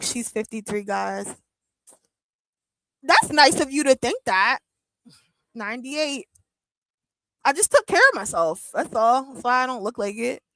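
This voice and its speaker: A woman in her thirties hosts a live watch-along, reading viewers' comments and keeping up a playful, joking patter full of fillers and frequent laughter. Her voice sits a little high and a bit bright, close and dry as if right at a desk mic, with no echo. The recording quality is low.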